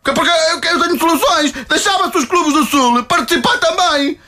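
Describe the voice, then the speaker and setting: A man playing a blustering provincial football club president in a radio comedy sketch, with a European Portuguese accent and a very high, shrill voice, rambling and defensive with chuckles. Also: normal speed, pushed and bright.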